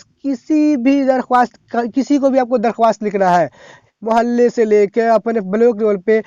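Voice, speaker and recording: Male tutor, high mellow voice, chatty and repetitive, lo-fi recording. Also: no room sound. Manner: chatty, repeats "thik hai" and "hai na"; talks fast, stumbles over words. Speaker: teacher. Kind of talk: casual tutorial. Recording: dull lo-fi sound.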